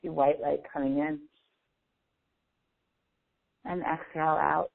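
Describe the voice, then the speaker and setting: A woman leading a guided meditation as a coach, speaking in a slow, deliberate, instructive manner with long pauses. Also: low voice, steady tone, gravelly, dry recording. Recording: phone-like thin, band-limited audio.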